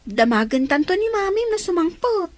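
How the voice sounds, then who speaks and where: A woman's voice: very high voice, very animated, normal speed, no echo. A Filipino woman playing a chatty aunt in a radio drama, explaining things matter-of-factly. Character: chatty, matter-of-fact aunt answering a child. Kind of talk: Ilocano radio drama acting.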